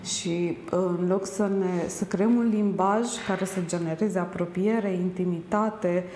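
A woman hosting a reflective TV talk show, speaking calmly in long flowing phrases. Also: on the low side, echoey room, slight background noise. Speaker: host. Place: TV studio.

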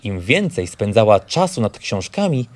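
A man's voice: fairly low pitch, sing-song, normal speed. A man narrating a scripted children's story as the narrator of an audio play.

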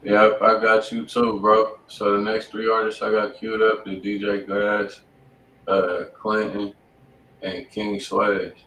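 A low, flat-voiced man co-hosts a music livestream from a home studio, calmly reading out who is next in the queue. He sits back from the mic in a roomy space, with a faint background hum. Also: slow pace, far from the mic. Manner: flat, matter-of-fact queue calling. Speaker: livestream co-host. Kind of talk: casual livestream chat.

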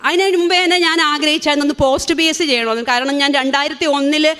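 Woman, Malayali accent, forties, religious testimony, earnest, high bright voice. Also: steady tone, rapid-fire. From India. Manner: earnest, emotional storytelling. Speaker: testimony speaker.

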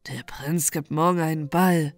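A woman voicing a sorrowful, lovesick young male student in a heartfelt, lamenting way, over faint soft music. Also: low-pitched, fairly even intonation, unhurried, pitched below the performer's own voice. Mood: lovelorn.

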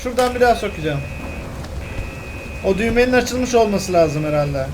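A young man commenting on a video game as he plays, excitable and talking to himself, with frequent exclamations and mutters. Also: sits high, moderate pace, background noise. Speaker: gameplay commentator. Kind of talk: casual let's-play commentary.

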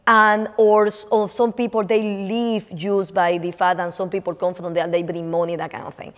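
A woman's voice: medium pitch, level tone, normal speed. Woman, Dominican Spanish accent, middle-aged, artist lecture, long hall reverb, room mic from a distance. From Dominican Republic. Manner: chatty, many restarts and fillers, gesturing as she speaks. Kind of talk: lecture on her art. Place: lecture room in front of a projected slide.

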